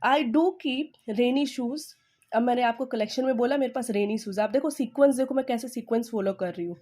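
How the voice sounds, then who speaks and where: A woman's voice: fairly high pitch, mellow. A woman with an Indian accent teaching English in Hindi, explaining with repetition and checking in with "okay?". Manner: slow, stressed dictation when reading English sentences. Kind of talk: Hindi-English language lesson.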